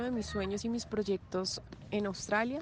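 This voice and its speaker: A woman at medium pitch talks at a moderate pace over noticeable background noise. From Colombia. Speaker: migrant stranded abroad. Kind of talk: recorded testimony.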